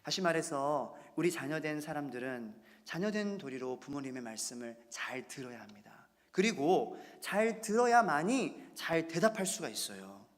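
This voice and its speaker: A man's voice: on the high side, moderate pace, hardly any pauses. A man in his thirties, a pastor, preaching a Sunday sermon and acting out little quotes. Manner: animated preaching with acted-out quotes. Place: church sanctuary. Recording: long church hall reverb.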